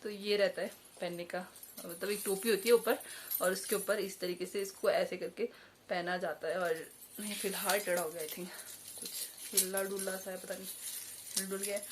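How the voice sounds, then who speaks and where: Young woman, mid-pitched, casual chatty vlogger with many hesitations; noisy home recording. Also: fairly even intonation, moderate pace. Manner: chatty, hesitant with many fillers and self-corrections. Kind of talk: casual show-and-tell vlog. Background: jingling jewellery and bells.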